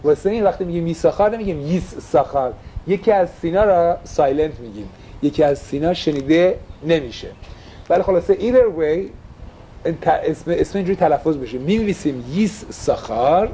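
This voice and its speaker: A man's voice: fairly high pitch, expressive, warm tone, slight background noise. A man teaching a casual religious class, asking his listeners questions and slipping English phrases into his talk.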